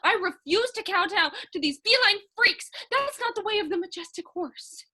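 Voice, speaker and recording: A woman playing a prim, excitable and easily indignant girl club leader in a comedy sketch, with pompous, formal declarations. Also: extremely high pitch, moderate pace, full character voice. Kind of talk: comedy sketch staged reading.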